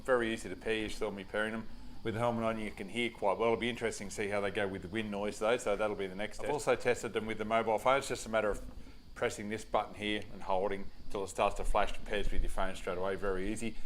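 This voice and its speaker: A man with an Australian accent talks through gear in a casual, unscripted review style. His voice sits a little low and his delivery is plain-spoken and matter-of-fact. Some ambient noise runs behind him. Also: steady tone, fast talker, fairly bright tone, rough recording. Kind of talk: casual product review to camera.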